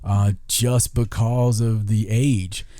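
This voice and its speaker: Man, deep-leaning mellow voice, wry, joking, casual podcast commentary, dry sound. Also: fairly even intonation, slow pace, dry recording. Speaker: podcast co-host.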